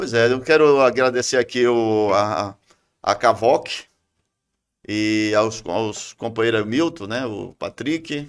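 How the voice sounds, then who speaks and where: On a very clean recording with a silent background, a man speaks at a very slow pace. His pitch sits in the medium range and shows ordinary variation. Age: 60s. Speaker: military police sergeant and political candidate. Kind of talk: closing statement. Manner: halting.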